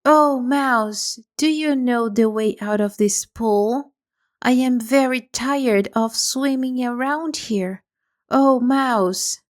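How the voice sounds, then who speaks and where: A woman voicing a polite, curious young girl in a storybook, speaking gently and earnestly. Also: a little high, slow pace.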